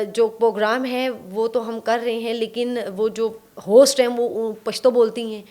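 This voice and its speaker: Young female actress guest, reflective storyteller, hesitant pauses. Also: medium pitch, warm tone. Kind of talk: casual interview chat.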